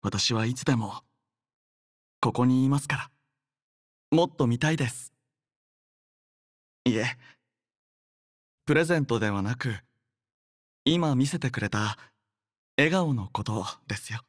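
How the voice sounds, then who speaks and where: A man plays an earnest young male soldier from a video game. He speaks in a mid-range voice with gentle, measured courtesy and sincere devotion. The sound is dry, with no room around it. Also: mid-range voice, dry recording, close to an everyday voice. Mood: tender, sincere. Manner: polite, soft-spoken, measured, sincere. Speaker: voice actor. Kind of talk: acted game character voice lines.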